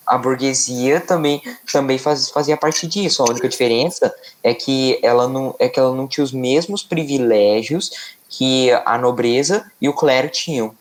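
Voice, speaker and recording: Hesitant young Brazilian student, mid voice. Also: male voice, medium pitch, moderate pace. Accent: Brazilian Portuguese. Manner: hesitant, many fillers and restarts. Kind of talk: class discussion.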